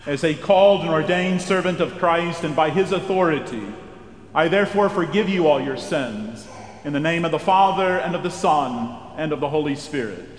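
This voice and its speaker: A man leading formal liturgical prayer in a chapel, solemn and measured, with the voice ringing in a cathedral-like echo. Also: a little high. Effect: cathedral-like echo of a large chapel. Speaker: officiant leading chapel worship. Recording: roomy chapel with long reverb.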